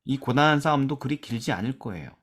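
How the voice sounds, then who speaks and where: A man leading a church Bible study discussion, asking questions and reading verses aloud, trailing off softly at the ends of phrases. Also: expressive, fast talker. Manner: asks questions and drops to a soft low voice at phrase ends; reads scripture aloud with emphasis.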